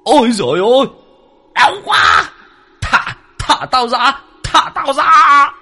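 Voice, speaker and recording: A man voicing a lecherous old male ghost who whines and wails in pain, in a husky, strained, high voice. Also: sing-song, unhurried, bright, forceful tone, soft background music, heavily acted. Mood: wailing in pain. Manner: wailing, whining in pain.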